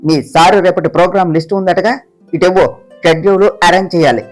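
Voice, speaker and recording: A woman's voice: lowish voice, steady tone, fast talker, darkish tone, voice pushed down, lightly acted. The narrator gives voice to a pert young woman assistant who talks back to her boss. The reading is a plain storybook telling with faint music behind. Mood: playful. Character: cheeky young woman, new office assistant.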